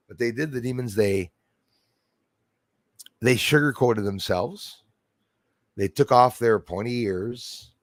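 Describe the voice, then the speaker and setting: A man's voice: on the low side, dry recording. A man hosting a livestream, talking casually to his chat in a meandering way, repeating himself and chuckling between thoughts. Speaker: livestream host reading chat. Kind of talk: rambling casual livestream talk.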